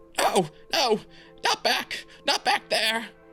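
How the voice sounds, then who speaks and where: Faint music plays in the background behind a shrill, put-on character voice. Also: fairly high pitch. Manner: shrieking, desperate terror.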